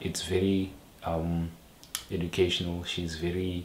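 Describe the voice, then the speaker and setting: A man with a very deep, low pitch speaks at a very slow pace in a monotone, flat intonation. Audible room echo and light background noise surround him. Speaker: vlogger introducing an interview. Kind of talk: casual vlog chat. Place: home room. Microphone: phone near.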